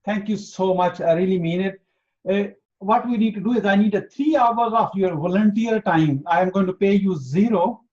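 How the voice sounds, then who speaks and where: A man from Pakistan hosting an interview, speaking earnestly and emphatically and spelling out his points slowly. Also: high voice, darkish tone. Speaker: interview host. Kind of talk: motivational interview. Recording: dull lo-fi audio.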